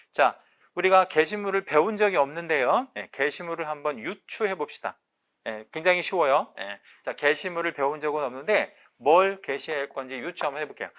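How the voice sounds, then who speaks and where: Korean male lecturer with lively pitch. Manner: quizzes students with questions and repetition. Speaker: real estate agent exam lecturer. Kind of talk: online exam-prep lecture.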